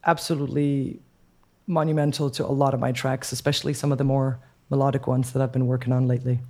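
A woman music producer with a deep, dark voice, chatting as a podcast guest, enthusiastic and hesitant with lots of fillers and restarts. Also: little pitch movement, fast talker. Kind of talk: casual podcast chat.

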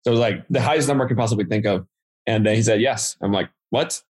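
A man's voice: lowish voice, fast talker, darkish tone, breathy edge. A man from the Dominican Republic, a native Spanish speaker with a Dominican accent, casually telling his story as a podcast guest. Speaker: podcast guest, marketing entrepreneur.

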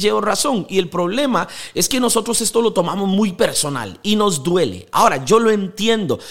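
Energetic Costa Rican podcast host. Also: male voice, high voice. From Costa Rica. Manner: energetic, emphatic, motivational preaching. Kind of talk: motivational podcast monologue.

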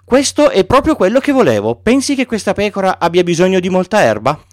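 Storybook little prince, earnest boy asking innocent questions, a man putting him on, slightly high. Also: sing-song, fairly quick, no room sound, studio quality. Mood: curious.

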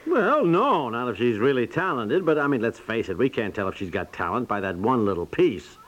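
Practical softie radio husband from the 50s, stammers and repeats, very animated, muffled old sound. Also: male voice, mid-range voice, normal speed. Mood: reluctant. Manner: stammering, folksy, repeats himself. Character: practical, hesitant, soft-hearted husband and proud father. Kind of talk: 1950s radio domestic comedy acting. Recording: muffled 1950s radio recording.

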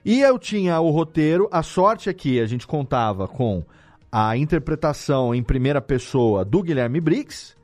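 A Brazilian man talking casually as an interviewed audio editor, explaining things in an animated way with rhetorical questions. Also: fairly high pitch, moderate pace, soft background music. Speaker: audio drama editor and podcast guest.

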